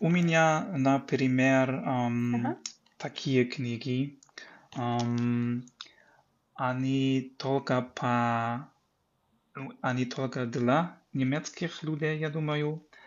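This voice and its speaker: Speaking at a very slow pace with long, frequent pauses, a man with a German accent keeps a medium pitch and fairly even intonation. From Germany. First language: German (speaking Russian). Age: 30s. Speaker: accountant, language learner. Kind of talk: interview. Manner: halting, many fillers. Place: home room. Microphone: video call.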